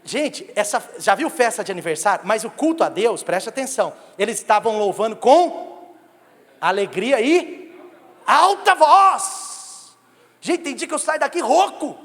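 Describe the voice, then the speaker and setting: A man's voice: sits high, brisk, few pauses. A Brazilian man in his thirties preaching a sermon as pastor, telling humorous stories and joking with the congregation. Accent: Brazilian Portuguese. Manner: humorous, animated storytelling that jokes with the congregation. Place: church sanctuary. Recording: long reverb of a church hall.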